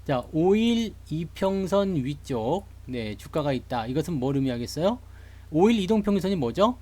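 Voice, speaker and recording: Slightly high-voiced guy, chatty and jokey, walking viewers through stock charts live. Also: big pitch swings, normal speed, warm tone. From Seoul. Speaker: stock market streamer. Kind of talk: live stock market lecture.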